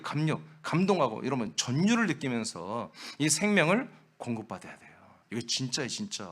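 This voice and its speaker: Male pastor, lively and emphatic sermon delivery, swings his pitch widely. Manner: emphatic, talks straight to the congregation. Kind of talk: lively preaching to a congregation.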